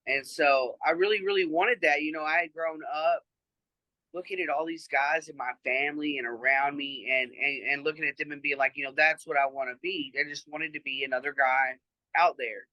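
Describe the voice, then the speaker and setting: A man's voice: on the high side, steady tone, moderate pace, no room sound, muffled recording. A trans man speaking earnestly and reflectively as an interview guest, with frequent fillers. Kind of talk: casual conversational interview.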